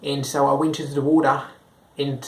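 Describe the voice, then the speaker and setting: A man's voice: mid-range voice, level tone, brisk, natural voice. A young man imitating a carefree man with an Australian accent who tells a tall tale in a laid-back way. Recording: echoey room.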